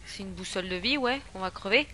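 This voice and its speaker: A young woman from France playing a horror game and commenting casually, chatty and excitable, swinging from shrieks to low mutters. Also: quick pace, noisy background. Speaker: gaming streamer. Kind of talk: casual let's-play commentary.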